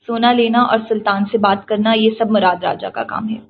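A woman's voice: a little high, fairly even intonation, narrow, tinny audio, slight background noise, natural voice. A woman voicing a serious, commanding man who speaks firmly and with authority, in a storybook reading. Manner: firm, authoritative.

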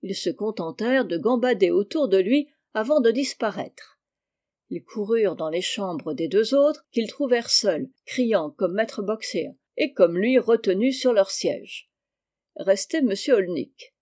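Mellow-voiced woman narrating a storybook. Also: mid-range voice, lively intonation, measured pace. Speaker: audiobook narrator. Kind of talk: scripted narration.

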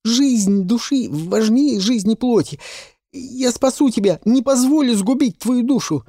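A man voicing a young boy painter who pleads high and strained, tearful and stubborn. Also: measured pace, mellow, no echo, clean studio sound.

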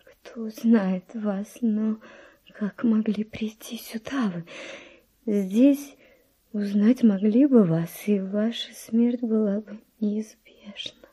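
An actress playing an anguished, wavering, tender woman in a radio verse drama, breathy and often dropping to a whisper. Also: medium pitch, steady tone, slow pace, warm tone. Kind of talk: classic Russian radio drama acting of verse.

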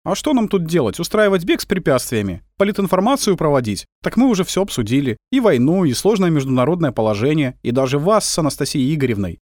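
Мужчина-чтец озвучивает болтливого молодого красноармейца, который ворчит и жалуется. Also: male voice, a little high, sing-song, quick pace, few pauses, a little mellow, no room sound, studio quality, pitched above the performer's own voice. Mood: grumbling. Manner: complaining, chatty. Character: talkative young Red Army soldier, grumbling.

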